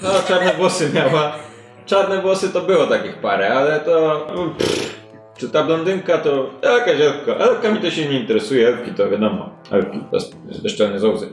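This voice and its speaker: A man's voice: fairly high pitch, very animated, moderate pace. Man playing a brusque, impatient streetwalker woman. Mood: dismissive. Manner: curt, colloquial, repetitive, haggling. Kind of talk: tabletop role-play in character. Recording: roomy, faint music behind.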